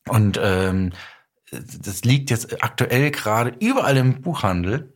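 A man with a mid-pitched voice talks as a guest author in a podcast interview. He is chatty and tells things in an easy, anecdotal way. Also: animated, slow. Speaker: guest author of audio dramas and a novel. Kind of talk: casual podcast interview chat.

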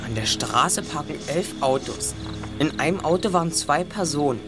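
A teenage male actor playing a bossy, quick-witted boy detective in an audio drama, speaking articulately and decisively. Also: fairly high pitch, lively intonation. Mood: decisive, impatient. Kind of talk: German audio drama acting. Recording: music behind the voice.

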